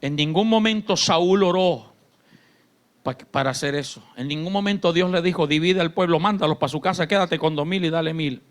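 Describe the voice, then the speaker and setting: A man pastor, preaching a sermon in church. His delivery swings between shouted fervor and quiet, confiding talk. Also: fairly high pitch, normal speed. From Colombia. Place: church sanctuary.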